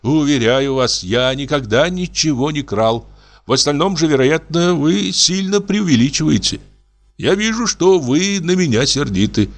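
A male narrator voicing a meek, gentle doctor who speaks softly and apologetically, a little raised above his narrating voice. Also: on the high side, lively intonation, normal speed, pitched above the performer's own voice. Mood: soothing. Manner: soft, mild, apologetic.

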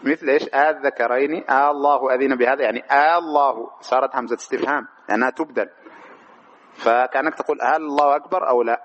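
A teacher of Islamic jurisprudence explains a religious law text line by line, repeatedly posing rhetorical questions and answering them himself while demonstrating correct and incorrect pronunciations. His medium-pitched voice is fairly even, fast, and a bit bright, in lo-fi sound.

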